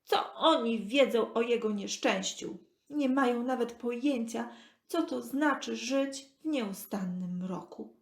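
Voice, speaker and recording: Slow, echoey woman storyteller. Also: fairly high pitch. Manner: expressive, deliberate phrasing with pauses. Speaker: narrator. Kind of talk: scripted children's Bible storytelling. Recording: echoey room.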